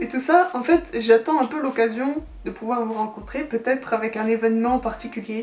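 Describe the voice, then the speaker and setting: A woman at a moderate pace and fairly high pitch, with ordinary pitch variation and noticeable background noise. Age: 20s. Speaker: beauty YouTuber. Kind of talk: casual Q&A vlog. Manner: chatty, rambling with fillers.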